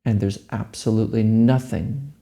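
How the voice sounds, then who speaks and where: A man leading a guided meditation, giving gentle, unhurried instructions. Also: on the low side, gravelly.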